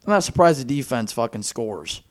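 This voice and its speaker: A man hosting a casual sports podcast, his voice raspy and worn out after a late night, rambling and getting excited as he recaps the game. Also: medium pitch, moderate pace, no room sound. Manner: excitable, rambling fan talk. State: hoarse, worn out; tired, foggy. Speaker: podcast host.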